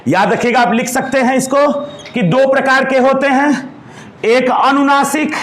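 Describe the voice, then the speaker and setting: A man's voice: extremely high pitch, fairly even intonation, normal speed, fairly bright tone. A man teaching a grammar class in front of a board, repeating terms for students to copy down and calling them "babu".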